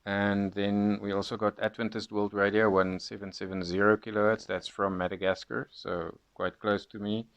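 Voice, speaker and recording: A man giving a casual first-impressions review as a hobbyist, explaining things in a measured way. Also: on the low side, little pitch movement, creaky, a bit bright, clean tone. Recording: dull lo-fi sound.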